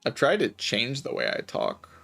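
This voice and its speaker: A man streaming a game, chatting casually in a relaxed, raspy voice with vocal fry, often saying "like". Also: medium pitch, normal speed, soft background music. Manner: relaxed, laid-back, chatty with filler "like". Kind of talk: casual chat while gaming.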